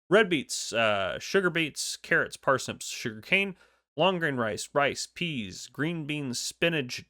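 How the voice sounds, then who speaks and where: A man's voice: medium pitch, pushed and bright, clear, resonant tone, no room sound, clean studio sound. A man with a congested, stuffy voice from a cold, chatting casually with many ums as the host of a gaming channel. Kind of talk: casual game news commentary.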